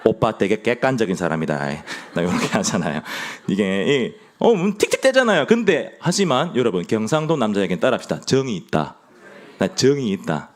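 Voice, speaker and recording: A man's voice: medium pitch, very animated, fairly quick. A young man with a Gyeongsang accent preaching a sermon, playful and joking with his congregation. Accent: Gyeongsang Korean. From Gyeongsang region of Korea.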